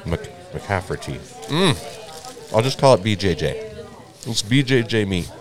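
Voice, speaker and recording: Deep-voiced man, joking co-host tasting food; soft background music. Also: expressive, measured pace. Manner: joking, playful. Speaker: co-host of a food review show. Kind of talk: casual chat while eating.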